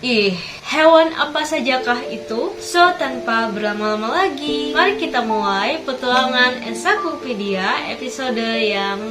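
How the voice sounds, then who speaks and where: A woman with a hoarse voice from a cold hosts a chatty educational video, asking her viewers questions as she narrates facts. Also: high-pitched, expressive, unhurried. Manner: chatty, asks viewers questions, mixes in English phrases. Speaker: educational YouTube host. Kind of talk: scripted encyclopedia narration. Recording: echoey room with loud background music.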